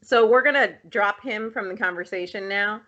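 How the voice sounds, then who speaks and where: A woman's voice: mid-range voice, moderate pace, pushed and bright, dull audio. A woman co-hosting a podcast, playful and laughing, cutting in during a casual chat. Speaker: podcast co-host.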